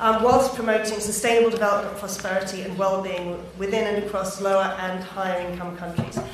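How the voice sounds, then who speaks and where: A woman talks at a fairly quick pace with hardly any pauses, in a monotone, flat intonation. Noticeable background noise and strong room echo surround her voice. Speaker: event host. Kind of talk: event introduction speech. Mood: warm, friendly. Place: hall. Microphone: podium.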